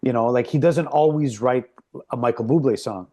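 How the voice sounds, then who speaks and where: A man's voice: mid-range voice, normal speed, dark tone. A man hosting an interview, talking casually and appreciatively with many restarts. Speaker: host.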